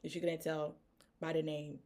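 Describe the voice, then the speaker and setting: Woman coach, Haitian accent, lowish voice, earnest and direct, keeps checking in with "right?". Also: completely flat delivery, moderate pace, darkish tone. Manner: earnest, tags statements with "right?". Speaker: business coach. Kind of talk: motivational talk to camera.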